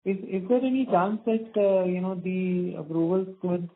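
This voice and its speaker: A man, an analyst on an earnings call, asking questions hesitantly and filling pauses with "you know". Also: high voice, slight background noise. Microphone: phone line. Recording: tinny phone line.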